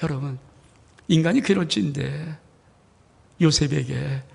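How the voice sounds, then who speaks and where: Gravelly high-voiced preaching pastor. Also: male voice, a little slow. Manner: emphatic preaching with rhetorical questions and acted quotes. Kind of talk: sermon.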